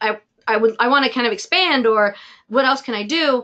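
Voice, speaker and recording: In an ordinary speaking voice, a woman talks at a moderate pace with lively intonation and a fairly high pitch. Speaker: webinar presenter, tutoring coordinator. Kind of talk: webinar presentation. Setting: online webinar. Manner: casual, filler-heavy.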